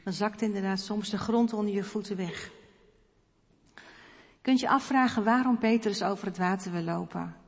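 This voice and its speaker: A woman preacher speaks in a reflective, personal way and pauses now and then with soft fillers. Her mid-pitched voice has a gravelly texture, and a long reverb fills the church around her. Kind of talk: sermon.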